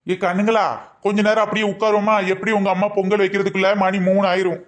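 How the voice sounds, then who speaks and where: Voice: medium pitch, little pitch movement, fast talker, close to an everyday voice. A performer voicing a village father and husband who teases his wife with mocking jokes, in a cartoon comedy. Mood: teasing.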